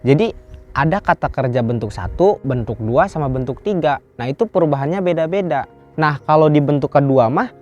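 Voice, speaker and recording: A man's voice: fairly high pitch, lively intonation, darkish tone, dull audio, soft background music. Patient Indonesian man teaching phrases. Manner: explains step by step, slows down to drill phrases. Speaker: Japanese language teacher, channel host. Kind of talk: casual language lesson.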